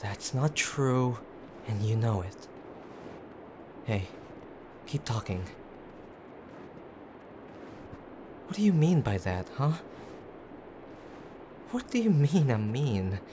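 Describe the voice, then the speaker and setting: Slow-paced, gruff tsundere boyfriend played by a man. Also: mid-range voice, big pitch swings. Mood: insistent. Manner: brusque, urgent, halting pleas with swearing. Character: gruff, teasing tsundere boyfriend, frightened and tender underneath. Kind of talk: intimate audio roleplay drama. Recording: clear background ambient noise.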